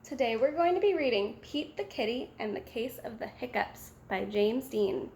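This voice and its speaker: A woman reading a picture book aloud to children in an expressive, sing-song manner. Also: on the high side, moderate pace, a little hiss or hum. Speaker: storybook reader.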